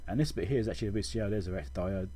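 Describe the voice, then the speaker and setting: A man's voice: lowish voice, racing, warm tone, a little hiss or hum. A man giving an informal technical tutorial, explaining things as he thinks aloud. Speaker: electronics repair video host. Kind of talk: casual technical tutorial over schematics.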